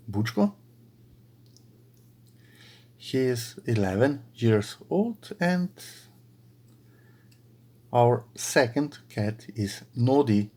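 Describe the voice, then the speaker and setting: A middle-aged man from Slovenia with a Slovenian accent, chatting casually to his followers while he crochets at home, halting with many fillers. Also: mid-range voice, a little mellow, breathy edge. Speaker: crochet video creator. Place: bedroom at home.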